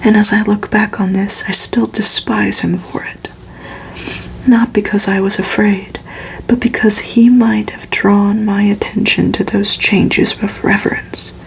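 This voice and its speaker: Woman doing asmr story reading, breathy unvoiced whisper, slow n even, bit of background noise. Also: medium pitch, rough recording. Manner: unhurried, soft, soothing delivery. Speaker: ASMR narrator reading a novel aloud.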